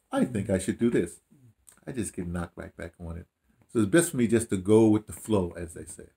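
An audio dramatist somewhere in his 60s or 70s, likely late sixties, reminisces informally about his life indoors in a small room at home. He speaks in a mid-range voice, telling his stories with animation and lots of repetition and self-quoting.

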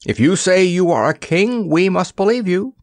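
A man's voice: high voice, expressive, moderate pace, no echo, clean studio sound, voice pushed up. A man voicing a jolly, stout ship's cook who is also a king, chatty and coaxing, in a storybook reading.

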